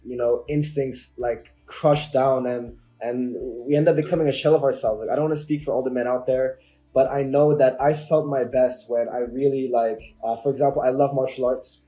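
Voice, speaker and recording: Soft-spoken young man with a dark tone. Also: medium pitch, rough recording. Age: 20s. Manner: soft-spoken, reflective, frequent restarts. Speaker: podcast guest, online entrepreneur. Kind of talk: casual interview talk.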